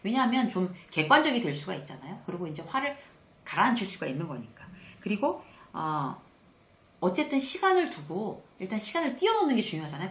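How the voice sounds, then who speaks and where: A woman giving a conversational lecture on workplace manners, acting out the quoted lines in a lively, chatty way. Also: lowish voice, roomy sound.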